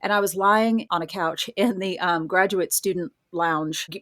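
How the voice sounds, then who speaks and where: A woman's voice: lowish voice, unhurried, fairly bright tone, dry recording. A middle-aged woman telling her own story in a casual interview, articulate and self-deprecating. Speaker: podcast guest, horror writer and college professor.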